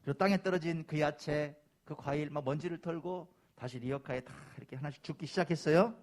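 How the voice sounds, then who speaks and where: A man's voice: on the high side, a little fast, a little mellow. A male pastor preaching a Sunday sermon in a church, who speaks emphatically, repeats key phrases and talks straight to the congregation. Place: church sanctuary.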